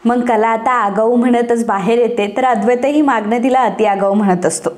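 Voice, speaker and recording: A woman with a high voice retells a serial episode scene by scene. She narrates steadily and addresses her viewers directly. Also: moderate pace, a little mellow. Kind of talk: storytelling retelling.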